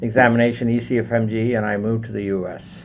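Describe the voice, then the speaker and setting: A man's medium-pitched voice at a moderate pace, with fairly even intonation and audible room echo. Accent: Tamil. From southern India, Tamil Nadu. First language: Tamil. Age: 70s. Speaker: neurosurgeon. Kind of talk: interview. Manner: halting.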